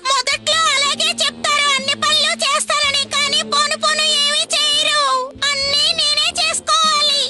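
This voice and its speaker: Excitable, sharp-tongued cave-family cartoon role, extremely high voice over prominent music. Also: female voice, normal speed. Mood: nagging, indignant. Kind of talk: dubbed cartoon acting. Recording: loud music behind the voice.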